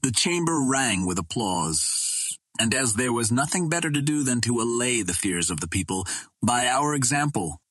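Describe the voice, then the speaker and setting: A man's voice: mid-range voice, a bit bright, dry recording. A man narrating an adventure novel as a scripted audiobook reading.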